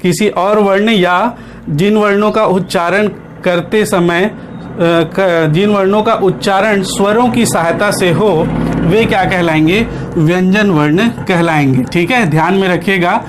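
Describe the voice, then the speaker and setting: A man with a high-pitched voice delivers an online grammar lecture. He keeps asking the class questions and answering them himself, and he drills each point with short confirming checks. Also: measured pace, noisy background. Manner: repeats key points with frequent checks. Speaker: Hindi grammar teacher. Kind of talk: online exam-prep lecture.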